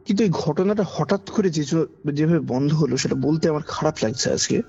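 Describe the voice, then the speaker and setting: A podcast guest with a Kolkata Bengali accent tells of his own ghostly encounter in a husky, gravelly voice, conversational yet dramatic, repeating phrases for emphasis. His voice is a little high, brisk and darkish. The dull lo-fi audio, with slight hiss or hum, sits under background music.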